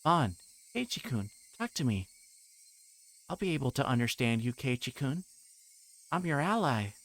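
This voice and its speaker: A man's voice: medium pitch, very animated, moderate pace, a bit bright, pitched above the performer's own voice. A man voicing an eerie, insistent teenage girl from a visual novel, coaxing and accusing. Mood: eerily sweet. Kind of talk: visual novel character read aloud.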